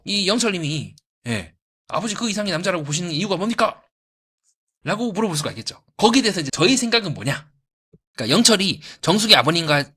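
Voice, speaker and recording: Fast and husky yet high-pitched, this man offers YouTube psychoanalysis of a dating show. He's lively, tosses out rhetorical questions only to answer them, and performs the voices of those he quotes.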